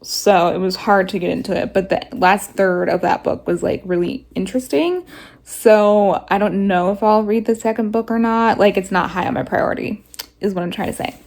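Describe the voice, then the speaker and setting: Stuffy, rough-voiced young woman vlogging. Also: mid-range voice, moderate pace, darkish tone. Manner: rambling, lots of "like" fillers. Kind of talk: casual chat to camera.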